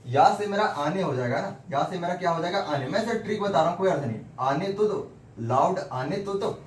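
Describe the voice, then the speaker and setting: This English grammar teacher has a high, expressive voice and a quick pace. At the whiteboard he keeps asking questions only to answer them himself, circling back over the same points, all captured in an echoey room with faint background noise.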